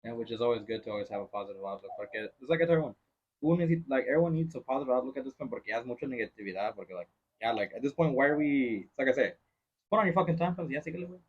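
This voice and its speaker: A man's voice: medium pitch, racing, breathy edge, narrow, tinny audio. A man hosting a casual podcast chat, swearing freely and dropping Spanish phrases into his English. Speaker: podcast host.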